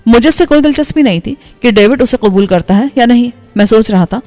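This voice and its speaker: A woman storyteller narrating a novel in a steady, even reading voice. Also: a little high. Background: faint background music.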